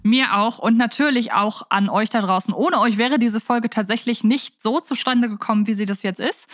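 A woman's voice: medium pitch, dry recording, studio quality. A woman hosting a podcast, talking casually and reading aloud in a conversational presenter's way. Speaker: podcast host.

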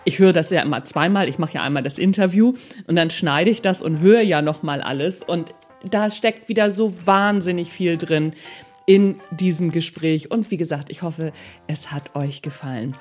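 A woman's voice: on the low side, moderate pace, darkish tone, soft background music. A woman hosting a podcast, chatting informally and speaking directly to her guest and listeners. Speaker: podcast host and interviewer. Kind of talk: casual conversational interview and podcast outro.

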